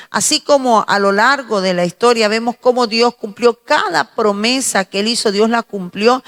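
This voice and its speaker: A woman's voice: medium pitch, fairly bright tone. Woman preaching in a reverberant hall. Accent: Spanish (Spain). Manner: slow, emphatic preaching with pauses and repetition. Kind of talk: morning devotional sermon.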